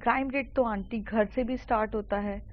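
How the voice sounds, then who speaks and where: A woman's voice: fairly high pitch, fairly even intonation, normal speed, close to an everyday voice. A schoolgirl, voiced by a woman narrator, argues earnestly and pleads. She sounds close to the narrator's own voice, on a dull lo-fi recording. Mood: pleading. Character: argumentative schoolgirl defending her school.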